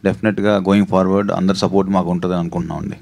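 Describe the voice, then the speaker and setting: A man from the film team answering a press question in a flat, rapid delivery. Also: low voice, gravelly.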